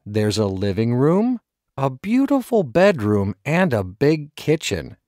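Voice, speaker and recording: Man, mid pitch, lively intonation, slow clear lesson reading. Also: no echo, clean studio sound. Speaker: dialogue reader. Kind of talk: scripted language-lesson dialogue.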